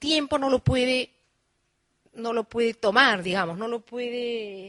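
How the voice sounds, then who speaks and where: An ordinary speaking voice from a woman, fairly high in pitch, with lively intonation, a fairly slow pace, and a dry, close sound with no echo. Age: 60s. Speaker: psychology professor. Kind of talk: lecture.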